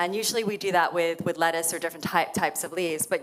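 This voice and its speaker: In a New Jersey accent, a woman talks at a very fast pace with a fairly low pitch and ordinary pitch variation. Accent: American, New Jersey. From US, New Jersey. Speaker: chef. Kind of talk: interview. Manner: hesitant, many fillers.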